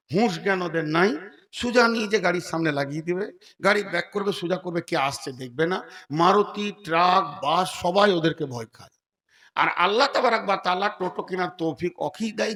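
A man preaching a waz sermon, telling jokes and stories, then chanting loud stretched lines. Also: high voice. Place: religious gathering.

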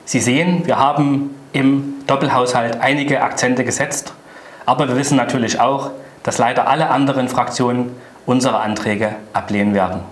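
A man's voice: medium pitch, fairly even intonation, normal speed, echoey room. A middle-aged man giving an emphatic, indignant political presentation to camera as a party spokesman.

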